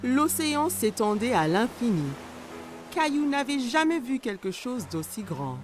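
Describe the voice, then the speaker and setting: A woman's voice: a little high, sing-song, a little slow. A woman reading scripted narration for a children's cartoon story. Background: background music.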